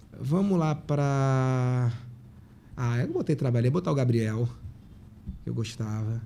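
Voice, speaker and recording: Very slowly and with long, frequent pauses, a man speaks in a dark, mellow voice at a medium pitch with ordinary pitch variation. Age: 60s. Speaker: orthopedic surgeon. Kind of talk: casual chat.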